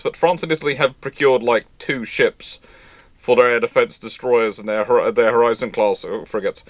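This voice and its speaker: Male host, rambling and sardonic, dry close sound, average pitch. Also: dry recording. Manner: rambling, with frequent restarts and sarcastic asides. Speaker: host of a naval history live stream. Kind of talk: casual live Q&A talk.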